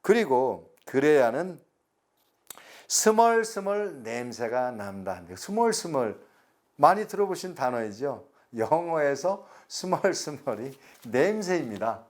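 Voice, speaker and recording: A middle-aged man, giving a recorded lecture slowly and deliberately, stretching words and pausing. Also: mid-range voice, sing-song. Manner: slow, deliberate explanation with drawn-out words and pauses.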